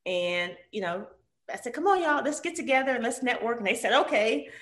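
Animated woman from Detroit, echoey room. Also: on the high side, a little fast. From Detroit, USA. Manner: animated storyteller, lively quoted voices. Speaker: guest. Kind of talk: casual conversational interview. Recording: roomy echo.

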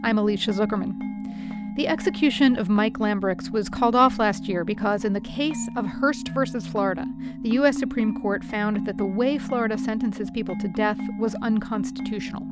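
A woman radio host presenting a special in a steady, explanatory, scripted way. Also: mid-range voice, a little fast, over loud music.

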